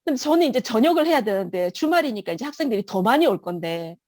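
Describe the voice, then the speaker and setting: A woman's voice: fairly high pitch, big pitch swings, fast, a little mellow, no room sound. A woman giving an emotional personal testimony in church, telling her story vividly.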